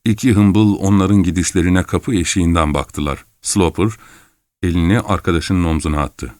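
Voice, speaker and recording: A male narrator reads a literary adventure story in a measured, storytelling manner. His voice is low-pitched and the recording is dry and close, with no room sound. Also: darkish tone, dry recording. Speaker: audiobook narrator.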